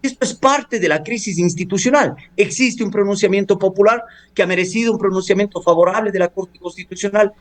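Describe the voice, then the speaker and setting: A man, a law professor giving formal, measured analysis in a radio interview, pausing with hesitations. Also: high-pitched. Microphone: studio or phone radio interview.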